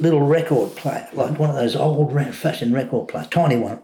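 A man with an Australian accent speaks at a moderate pace in a dark, mellow, somewhat breathy tone with ordinary pitch variation. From Sydney, Australia. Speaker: drummer. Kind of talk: casual chat. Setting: around a dinner table. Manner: animated.

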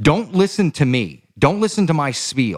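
In a dry, close recording with no echo, a man with a New York accent sounds animated and energetic, his fairly high pitch swinging very widely, with vocal fry at a moderate pace. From US Northeast (Albany, New York). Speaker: fashion designer and artist. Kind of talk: casual interview.

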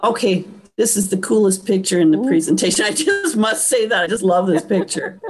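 A woman of medium pitch speaks at a fairly quick pace with lively intonation, very even loudness and a somewhat breathy voice. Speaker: educator and presenter. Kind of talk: online presentation. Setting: video call. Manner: upbeat, encouraging.

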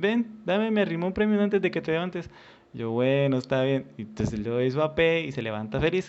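Speaking with a Colombian accent at a fairly quick pace, a man with a fairly high pitch makes very wide pitch swings. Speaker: listener sending a recorded message. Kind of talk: recorded listener message. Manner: halting, repeats words.

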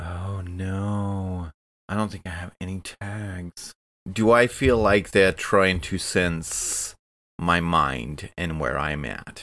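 In a very clean recording with a silent background, a man speaks very slowly with a very deep, low pitch, a bright, sharp tone and ordinary pitch variation. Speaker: role-play game player. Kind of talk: tabletop role-play. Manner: puts on Boston accent for character.

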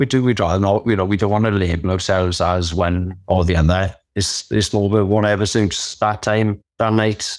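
A man with a plain, everyday voice speaks at a fairly low pitch with fairly even intonation, very even loudness and hardly any pauses. The recording is very clean, with a silent background. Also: moderate pace. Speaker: swinging lifestyle couple member. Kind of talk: casual interview chat.

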